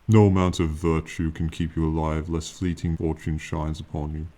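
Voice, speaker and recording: A man performs an ancient male dragon in a fantasy ASMR roleplay. The voice is very deep and dark, with little rise or fall. The phrasing is stately and archaic, proud and condescending, yet fond of the mortal companion. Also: level tone. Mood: proud, warning. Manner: slow, formal, lofty, archaic phrasing.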